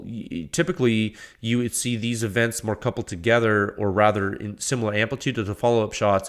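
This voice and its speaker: A man hosting a technical podcast, congested from a cold, explaining measurements in a halting way with many restarts. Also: on the low side, a bit bright. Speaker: podcast host. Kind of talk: technical talk.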